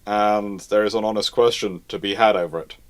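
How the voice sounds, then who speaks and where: A man with a lowish voice hosts a casual live history Q&A, answering viewer questions briskly in a steady tone. He speaks emphatically and repeats phrases for stress.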